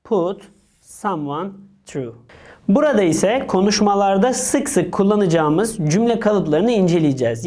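A woman teaching an English lesson for exam prep, reading each English phrase slowly and then explaining it. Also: mid-range voice, dark tone. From Turkey.

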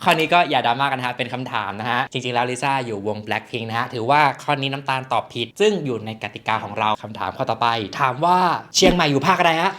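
A man's voice: medium pitch, quick pace, few pauses, a bit bright. A man hosting a joke quiz game in a casual, teasing way, laughing often between questions. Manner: jokey, laughs often, polite ending particles.

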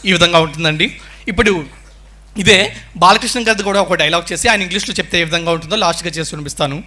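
Man mc-ing his own mimicry act, politely announcing each bit, high and bright. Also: quick pace. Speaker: mimicry artist. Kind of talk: stage patter introducing impressions.

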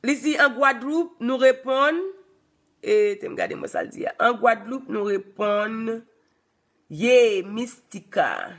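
A woman's voice: fairly high pitch, measured pace. A woman in her thirties with a Haitian accent, hosting a casual live stream from a small room and reading viewers' comments aloud. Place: small indoor room before curtains. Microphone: phone camera at arm's length.

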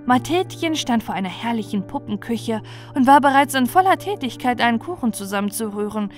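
A woman's voice: on the high side, expressive, fairly quick. A woman storyteller reading a scripted bedtime fairy tale. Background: music.

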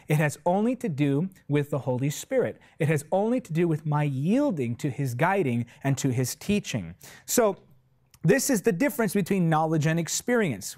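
A man's voice: a little high, darkish tone. A man in his twenties preaching a sermon in a studio, emphatic and passionate, with repetitive phrasing, on a lapel mic. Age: 20s. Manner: impassioned, emphatic, with repetitive phrasing and big hand gestures. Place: TV studio set, indoors.

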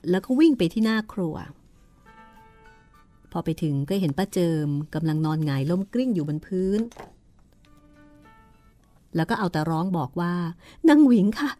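A hoarse woman with a cold, hosting a podcast and gently reading a horror novel aloud. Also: on the low side, moderate pace, pauses often, faint music behind. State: hoarse from a cold and sore throat. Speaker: host and reader.

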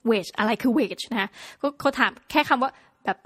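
A woman's voice: a little high, moderate pace, slightly rough, no room sound. Chatty woman with a dry close sound. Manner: chatty and playful, with lively exclamations. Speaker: podcast host. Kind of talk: casual solo podcast talk.

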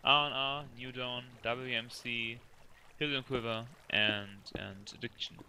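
A man's voice: medium pitch, steady tone, measured pace, background noise. A man chatting casually with teammates while playing a game, joking and laughing often. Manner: playful, laughs often, jokey. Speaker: gamer playing in a team. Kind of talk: casual gaming chat.

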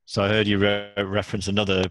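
Deep-voiced man calmly reflecting back. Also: fast, dry recording. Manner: calm, reflective paraphrasing. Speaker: listener reflecting back in an empathy circle. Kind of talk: casual video call discussion. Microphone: video call.

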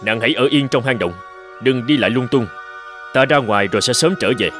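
A man playing a proud young tribal warrior posing as a god in an animated folktale, commanding and protective. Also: medium pitch, fairly quick, over music, close to an everyday voice. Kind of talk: dubbed animated folktale acting.

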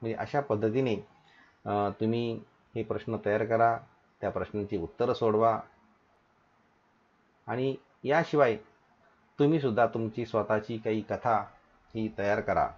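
Patient male schoolteacher explaining to children, halting delivery; dull lo-fi recording. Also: lowish voice, fairly even intonation. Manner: patient, repeats instructions, hesitant fillers. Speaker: teacher.

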